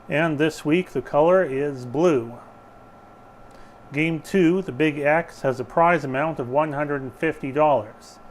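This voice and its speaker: A man with a slightly high voice speaks as a bingo caller. He reads out the game announcements and rules formally and procedurally. Steady background noise sits behind his voice.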